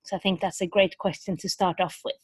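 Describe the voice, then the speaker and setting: A woman's voice: mid-range voice, flat delivery, brisk, slightly rough, dry recording. Chatty Norwegian woman teaching a webinar. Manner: chatty, many fillers and restarts. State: speaking around a bitten tongue. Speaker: vocal coach. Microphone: video call.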